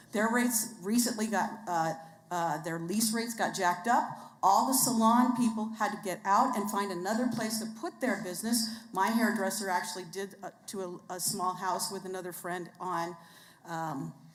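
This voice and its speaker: A woman's medium-pitched voice with ordinary pitch variation at a moderate pace, amid noticeable background noise and audible room echo. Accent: American. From Northern California, US. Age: 60s. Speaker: resident speaking at public hearing. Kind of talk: public comment. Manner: halting.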